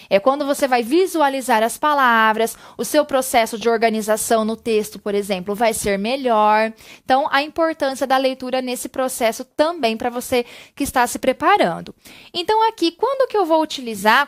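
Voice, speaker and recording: High-voiced woman teaching spelling. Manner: explanatory, frequent "né?" and "tá?" checks, slows on examples. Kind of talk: recorded online lesson.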